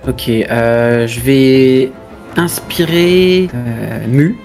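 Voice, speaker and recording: A man's voice: medium pitch, very slow, darkish tone. A man playing a tabletop role-playing game, chatting and joking casually. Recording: background music under the voice.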